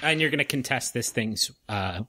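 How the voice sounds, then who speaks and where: A man running a tabletop game as game master, narrating with many pauses and restarts and joking with swearing. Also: mid-range voice, expressive, background noise.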